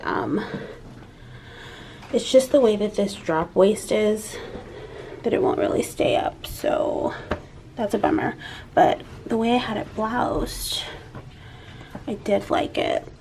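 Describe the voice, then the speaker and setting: With a mid-range, slightly mellow voice at a measured pace, this woman vlogs casually and chattily, sprinkling "like" throughout. There's clear noise in the background.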